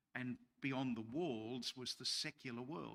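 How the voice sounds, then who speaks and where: A man with an Australian accent speaks at a fairly slow pace in a medium-pitched voice. His tone is bright and sharp, with lively intonation. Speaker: Jesuit priest and film critic. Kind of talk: lecture.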